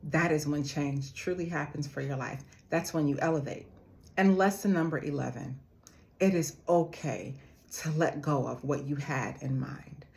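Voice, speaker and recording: A woman giving an earnest motivational talk to her viewers, who calls them family and slows down to repeat key phrases for emphasis. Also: sits low, creaky, darkish tone. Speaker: motivational speaker.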